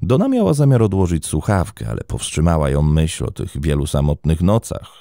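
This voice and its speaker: A man's voice: rumbling low, brisk, gravelly, no echo, studio quality. A man narrating a true crime story in a scripted, theatrical storytelling style. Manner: expressive, theatrical storytelling delivery.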